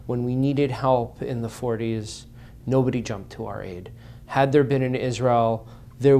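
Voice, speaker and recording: A man giving an earnest interview as a guest, his voice at an everyday middle pitch. He talks with passion and piles up repeated phrases to drive his points home. A faint hiss sits behind him. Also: darkish tone. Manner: impassioned, repeats phrases for emphasis.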